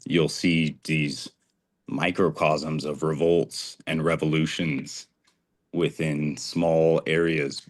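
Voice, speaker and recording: A man's voice: very deep voice, flat delivery, slow. A man in his twenties calling in to a talk show, earnest and a bit rambling, sometimes losing his train of thought. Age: 20s. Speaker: caller. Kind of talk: casual call-in conversation.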